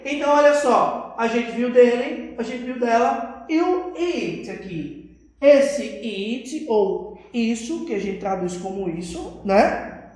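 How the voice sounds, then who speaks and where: A woman's voice: a little high, a little mellow. Echoey Brazilian woman teaching kids. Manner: patient, keeps checking understanding with tag questions. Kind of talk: recorded video lesson for children. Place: classroom with a whiteboard. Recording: very echoey room.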